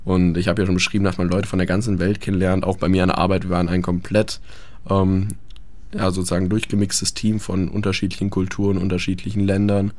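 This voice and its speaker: A man's voice: low voice, flat delivery, fast talker, darkish tone. A young man chatting about life abroad, hesitant with many fillers. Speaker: guest. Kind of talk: casual radio chat.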